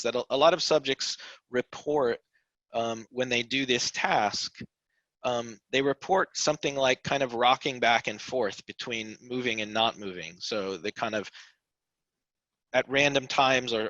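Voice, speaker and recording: A man's voice: mid-range voice, sharp tone, dry recording. A man speaking thoughtfully in an academic seminar, hesitant with many fillers, over a video call. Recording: dull lo-fi video call audio.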